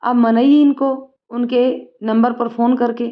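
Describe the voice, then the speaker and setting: A woman's voice: a little high, level tone, measured pace, close to an everyday voice. A woman voicing a cheeky, helpful younger brother who talks in a playful, coaxing way. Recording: dull lo-fi recording.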